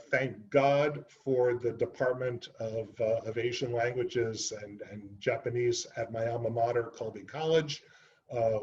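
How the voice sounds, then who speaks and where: Man, author talk, unhurried, earnest, fillers, medium pitch, dull muffled sound. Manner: unhurried, earnest, with frequent ums and uhs. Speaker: children's book author giving a talk. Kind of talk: library author presentation.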